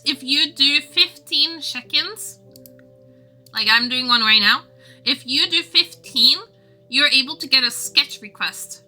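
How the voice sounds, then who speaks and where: A woman's voice: on the high side, bright, forceful tone. A woman livestreamer chatting casually with her viewers in a rambling, exclamatory way. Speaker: livestreamer and game developer.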